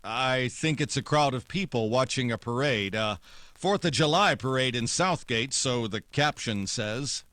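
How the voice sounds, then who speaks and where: An actor playing a hard-boiled private detective in a 1940s-style radio drama, terse, wry and world-weary. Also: male voice, medium pitch, animated, measured pace, fairly bright tone, no room sound. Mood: skeptical, wry. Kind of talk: 1940s noir radio drama narration and dialogue.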